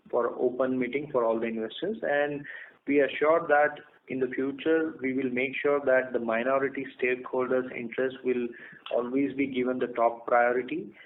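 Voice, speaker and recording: An Indian man, a company executive, giving formal, measured answers to investors on a conference call. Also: medium pitch. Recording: muffled phone line with clear noise.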